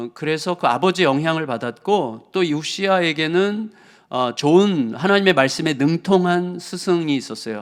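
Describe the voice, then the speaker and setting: This man has a high pitch with ordinary pitch variation. He talks at a fairly slow pace. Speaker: pastor. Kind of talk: sermon. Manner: conversational, with frequent fillers.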